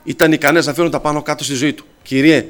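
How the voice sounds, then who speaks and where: A man's voice: on the high side, fairly even intonation, fairly bright tone. A man preaching a sermon, telling stories and addressing his listeners as brothers.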